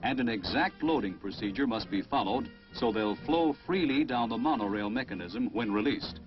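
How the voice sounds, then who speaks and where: American man, scripted military film narration, medium pitch, dull vintage soundtrack, prominent music. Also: animated, moderate pace. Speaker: documentary narrator.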